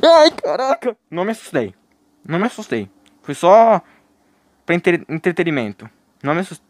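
A man's voice: high voice, huge pitch swings, moderate pace. A young man with a Brazilian Portuguese accent streaming a horror game live, joking with his chat and breaking into panicked yelps when scared. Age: young adult. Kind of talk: live gameplay commentary.

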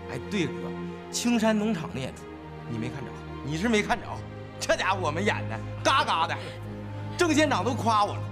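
A man's voice: high voice, sing-song, moderate pace. An actor playing a cheerful young rural man, chatty and boastful. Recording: TV drama audio with music underneath.

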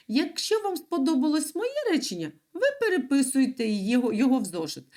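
A woman teaching young children an online reading and writing lesson, explaining patiently step by step. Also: a little high. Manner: slow, patient, lively sing-song explaining. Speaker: primary school teacher.

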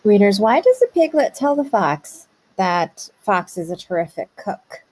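A woman teacher pausing a read-aloud to ask young children patient questions about the story. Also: mid-range voice, sing-song, darkish tone. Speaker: kindergarten teacher.

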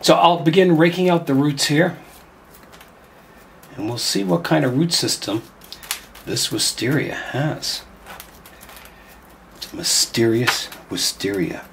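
Hoarse from a cold, an older man runs a bonsai channel, chatting casually and thinking aloud while working with his hands in a glass greenhouse. His voice sits on the high side with lively intonation, and he speaks slowly with frequent pauses. The background is noisy.

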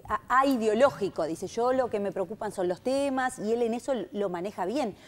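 A woman's voice: mid-range voice, a little mellow. A woman speaking as a public opinion analyst on a panel, explaining things and checking in with her listeners. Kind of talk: panel discussion.

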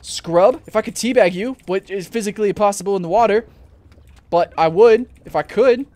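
A young man commentating his gameplay at a desk mic at home, jumpy and swearing, often breaking into panicked shouts. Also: high-pitched, fairly quick, no room sound. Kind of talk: let's play commentary.

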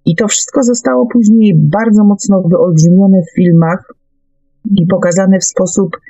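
A middle-aged woman leads a radio discussion in a thoughtful, halting way. Her tone is mellow and her pace slow, with many searching pauses. The sound is dry and close, with faint music underneath. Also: medium pitch, steady tone, dry recording. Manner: hesitant, deliberate, with long searching pauses. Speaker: radio host. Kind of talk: reflective discussion on a radio show. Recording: muffled online radio audio, faint music.

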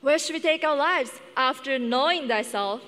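A young woman from Japan giving an earnest, measured commencement speech on a headset mic. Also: high voice, a bit bright. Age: young adult. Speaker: student class speaker. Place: large indoor arena stage. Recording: long arena reverb.

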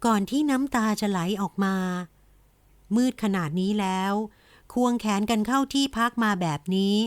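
A woman narrating a romance audiobook in an even, gentle storytelling manner. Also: a little high, normal speed, dry recording. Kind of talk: scripted romance novel narration.

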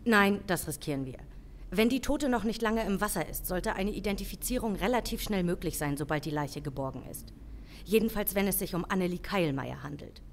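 A woman playing a level-headed senior police official in an audio drama, measured, formal and decisive. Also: mid-range voice, expressive, a little hiss or hum, lightly acted. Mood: grave, decisive. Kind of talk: German audio drama acting.

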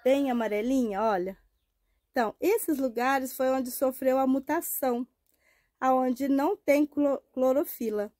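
A woman in her fifties from Brazil, slightly hoarse from a cold, talks into a clip-on mic in a shaded plant nursery. Her voice sits high for a woman. She chats in an affectionate, informal way, with plenty of tag questions and diminutives. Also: unhurried, mellow, no echo, studio quality. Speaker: succulent grower. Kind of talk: casual plant-care vlog. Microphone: wired lapel mic.

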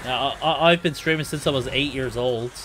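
A man's voice: mid-range voice, fairly quick, fairly bright tone, slight background noise. An eighteen-year-old man giving casual, playful live commentary as he speedruns a video game.

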